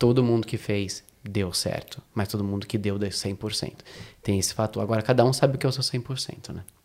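Fairly low in pitch, a man has an ordinary speaking voice. He talks at a moderate pace with fairly even intonation. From Brazil. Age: 40s. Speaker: personal trainer. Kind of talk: casual interview chat.

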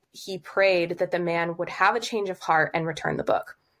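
This woman has an ordinary speaking voice at a medium pitch. She keeps a moderate pace with fairly even intonation. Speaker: podcast host. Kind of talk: casual podcast chat. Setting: Alaska.

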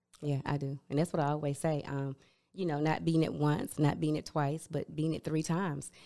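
This woman's very deep, low voice stays monotone and flat. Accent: Alabama. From Phenix City, Alabama (US South). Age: 50s. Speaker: cancer survivor, insurance worker. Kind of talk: testimony. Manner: fast.

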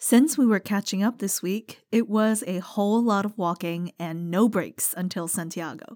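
A woman uses a normal speaking voice at medium pitch with ordinary pitch variation. The recording is very clean, the background silent. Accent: American. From United States. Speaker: podcast host. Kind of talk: casual podcast chat.

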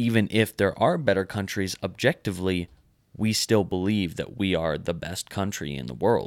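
A man with an American accent speaks at a moderate pace in a fairly low pitch, with ordinary pitch variation. He has an unremarkable speaking voice, and the recording is very clean with a silent background. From United States. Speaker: podcast co-host. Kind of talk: casual chat.

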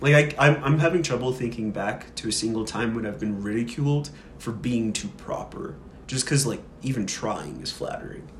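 Lively intonation marks this man's medium-pitched voice at a fairly quick pace. Noticeable background noise can be heard. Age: 20s. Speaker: language podcast host and Spanish tutor. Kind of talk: casual chat.

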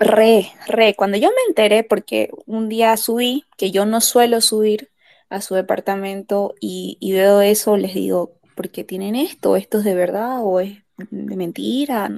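Very clean recording, silent background, with a woman at a medium pitch. Her intonation is fairly even and her pace fairly slow. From Cochabamba, Bolivia. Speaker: participant sharing stories. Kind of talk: personal storytelling.

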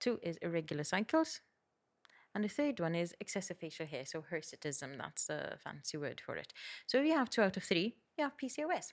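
On a very clean recording with a silent background, a woman with a Welsh accent talks at a fairly quick pace, her medium pitch swinging very widely. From Wales. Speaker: doctor. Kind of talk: casual chat.

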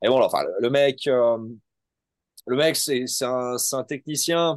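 A man speaks at a medium pitch in a plain, everyday voice, with ordinary pitch variation and a fairly slow pace. The sound is dry and close, with no echo. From France. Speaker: metal band vocalist. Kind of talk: interview.

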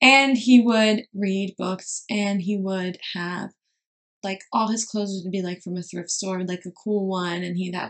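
A woman at a medium pitch, in an ordinary speaking voice. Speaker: podcast host. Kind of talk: casual chat. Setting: Annapolis bedroom, in person.

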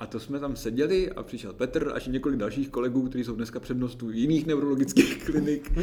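Against noticeable background noise, a man talks at a fairly quick pace with hardly any pauses, a medium pitch and ordinary pitch variation. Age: 40s. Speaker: professor of pathology. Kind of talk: interview.

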